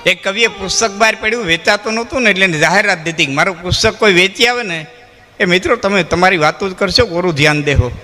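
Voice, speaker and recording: High, bright-voiced folk storyteller. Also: male voice, fast talker, long reverb tail, soft background music. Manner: addresses the audience as friends, moralizing asides. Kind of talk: live folk humor storytelling on stage.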